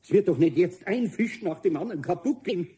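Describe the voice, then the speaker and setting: An actor playing a grumpy, worried older master craftsman in a children's radio play, with a Bavarian accent and a rough, husky voice. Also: sits high, lively intonation, fairly quick, warm tone, slight background noise. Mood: dismayed.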